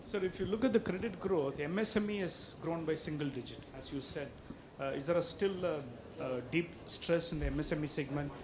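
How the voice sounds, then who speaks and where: A man's voice: a little high, brisk. A man with an Indian accent asking probing questions about financial results. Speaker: questioner, reporter or analyst. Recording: faint background noise, room ambience.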